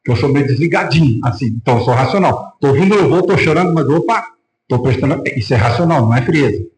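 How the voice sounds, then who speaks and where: A man with a Brazilian Portuguese accent, a pastor preaching a sermon in an animated way. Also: mid-range voice, fast, slight background noise. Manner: animated preaching, acting out quoted voices. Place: church hall. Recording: echoey church room.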